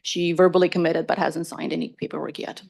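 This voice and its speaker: A woman from Ukraine speaks as a property owner at a council meeting, her voice lowish and flat with a creaky edge. She talks casually, leaning on "like" and "you know". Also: fast talker. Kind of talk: answering questions at a council meeting.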